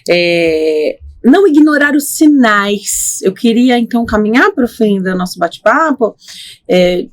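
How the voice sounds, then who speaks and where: A woman's voice: medium pitch, animated, unhurried. A middle-aged woman hosting a podcast interview, talking conversationally and framing her questions at length. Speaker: podcast host, journalist.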